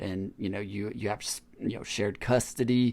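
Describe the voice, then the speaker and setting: At a moderate pace, a man talks with a dark, mellow tone and a fairly low pitch. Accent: slight Southern US. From Pennsylvania, later US South. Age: 40s. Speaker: podcast host. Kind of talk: casual monologue. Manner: rambling, halting with repetitions.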